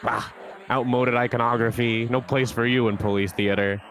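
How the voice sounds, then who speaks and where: A man's voice: medium pitch, steady tone, moderate pace, fairly bright tone, voice pushed down, natural voice. A man voicing goofy, officious game policemen with artistic pretensions, in a mock-authoritative theatrical manner.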